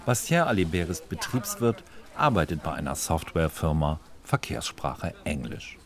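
A man's voice: a bass voice, sing-song, moderate pace. A man narrates a scripted radio feature as a reporter, in short descriptive sentences.

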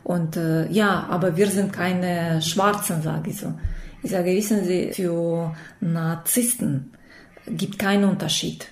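A woman's voice: lowish voice, steady tone, a little mellow. Hesitant woman in a roomy, distant recording. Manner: halting, hesitant speech with fillers. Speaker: interviewee. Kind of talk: recounting a conversation in an interview.

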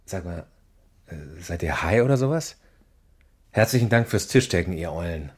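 An actor playing a chatty, flamboyant housemate cooking dinner, talking theatrically in a radio play. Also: male voice, sits low, expressive, moderate pace, breathy edge. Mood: cheery. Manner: theatrical, cheerful host manner.

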